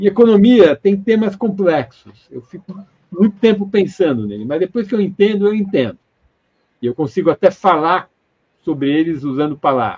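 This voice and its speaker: This man's voice sits high, with lively intonation and big swings in loudness. He talks at a moderate pace, and the sound is dry and close with no echo. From Brazil. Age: 60s. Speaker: economist. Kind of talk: interview.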